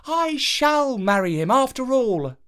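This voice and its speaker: A woman's voice: high voice, very animated, slow pace, fairly bright tone, pitched above the performer's own voice, full character voice. A woman voicing a gracious, effusive young fairytale princess with a genteel, exclaiming manner. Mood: delighted, admiring.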